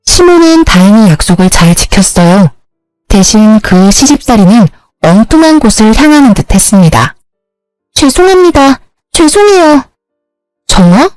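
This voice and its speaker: Woman storyteller, confiding first-person narration, dry close sound, soft music under. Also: mid-range voice, big pitch swings, moderate pace, no echo, rough recording.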